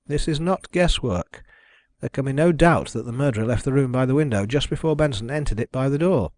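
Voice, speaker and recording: A methodical detective read by a male narrator lays out deductions with calm assurance. The delivery is measured and precise, mid-pitched, in a dry audiobook recording. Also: dry recording, close to an everyday voice. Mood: assured, reasoning.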